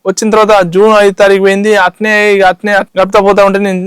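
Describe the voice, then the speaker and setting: A man with a Telangana Telugu accent talks at a breakneck clip in a high, clear voice. He recounts his grievance with urgency, recounting dialogue and calling the interviewer sir again and again. The sound is close and dry. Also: monotone, quick pace, dry recording. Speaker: chit fund victim interviewee. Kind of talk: interview testimony.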